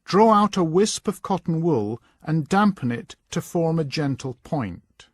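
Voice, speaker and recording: A man reading scripted instructional narration in a measured, instructing manner. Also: a little high, expressive, dry recording. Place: dry voice-over recording.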